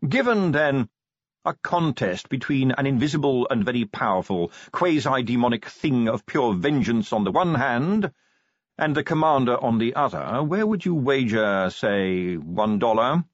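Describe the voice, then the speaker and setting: A man voicing a cool, calculating male ruler who speaks slowly, drily and deliberately in an audiobook. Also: medium pitch, lively intonation, no room sound, highs cut off. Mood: measured, probing. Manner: slow, deliberate, dry.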